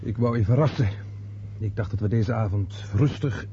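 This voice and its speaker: A man's voice: on the low side, normal speed, mellow, slightly rough. An actor playing an indignant young student son in a Dutch radio play, earnest and protesting, hesitant before his mother. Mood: reproachful. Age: young adult. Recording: dull, hissy lo-fi radio play recording.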